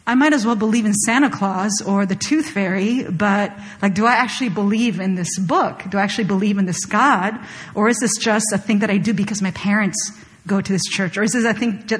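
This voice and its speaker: A young adult woman from Chile preaching a sermon, telling a personal story in a conversational, animated way with casual fillers. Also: mid-range voice. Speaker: pastor. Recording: long hall reverb.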